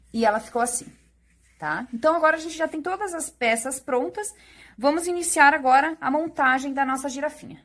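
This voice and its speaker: A woman with a high pitch talks at a fairly quick pace with lively intonation. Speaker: crochet teacher. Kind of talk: tutorial. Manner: fast.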